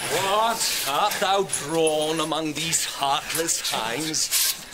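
A man playing a hot-tempered, menacing young nobleman, contemptuous and deliberate, in a Shakespearean radio drama. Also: fairly high pitch, crowd noise, poor audio. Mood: cold hatred.

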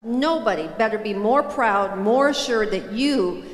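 A woman's voice: medium pitch, lively intonation, a little slow. An older woman giving a motivational keynote on a conference stage with a handheld mic, with a punchy, emphatic delivery aimed at the audience. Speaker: keynote speaker. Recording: roomy hall with long reverb.

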